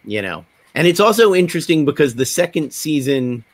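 A man's voice: a little high, big pitch swings, fairly quick, no echo. A man hosting a podcast, chatting casually and wandering off into anecdotes. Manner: digressive, anecdote-telling. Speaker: podcast host. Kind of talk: casual conversational chat.

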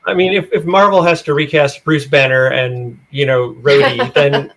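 A man's voice: medium pitch, fairly even intonation, moderate pace, a bit bright, low-quality recording. A man chatting casually as a guest on a podcast. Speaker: podcast guest, audio drama maker.

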